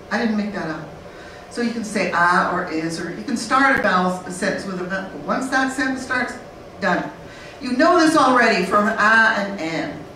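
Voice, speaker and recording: A woman's voice: mid-range voice, fairly bright tone. Middle-aged woman, emphatic conference speaker, heard from afar, very echoey hall, faint background noise. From Canada. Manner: emphatic, repeats points, rhetorical questions. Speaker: conference speaker on teaching English. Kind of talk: animated conference talk. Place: conference room. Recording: echoey room, far from mic.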